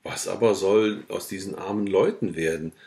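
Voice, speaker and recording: An earnest old villager pleads for the hungry, his words grave and urging, as a deep-voiced man reads him aloud. The voice stays low and close to plain reading. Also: moderate pace, creaky, dark tone. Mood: pleading.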